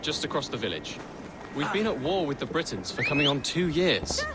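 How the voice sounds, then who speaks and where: A man playing an earnest, courteous young Christian noble in a video game, polite and measured, a little unsure of himself. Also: on the high side, big pitch swings, heavy background noise. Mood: hopeful. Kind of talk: video game character acting.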